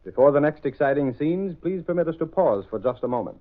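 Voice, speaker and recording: A man's voice: fairly high pitch, animated, fast talker. A male announcer narrating a 1930s radio drama in a dramatic, declamatory way, on a scratchy, narrow old recording.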